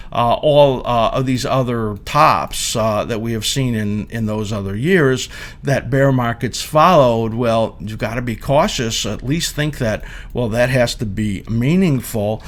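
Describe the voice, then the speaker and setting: A man in his sixties giving informal explanatory commentary as a market analyst, speaking haltingly with frequent hesitations. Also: mid-range voice. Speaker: market analyst presenting a video series. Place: indoor studio or office at a desk.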